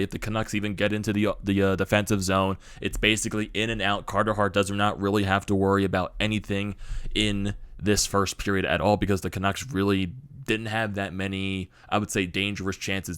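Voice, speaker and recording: A young man rambles through a hockey recap with lots of energy and digressions. His voice is low and smooth, with a slight strain from screaming at the arena. It sounds close and dry. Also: a bit bright, dry recording. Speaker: sports channel host. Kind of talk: solo hockey recap talk.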